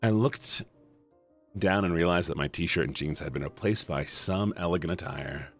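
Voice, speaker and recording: A man streaming a story game, reading the text aloud and chatting playfully with his viewers in an animated way. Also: low voice, normal speed, faint music behind. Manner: animated, playful, shouting at times. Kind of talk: reading a visual novel aloud to chat.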